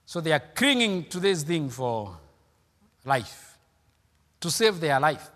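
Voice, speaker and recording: A man's voice: a little high, sing-song, slow, fairly bright tone, in a large hall. A man, preaching an emphatic sermon, repeating his points and calling out hallelujah. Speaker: pastor.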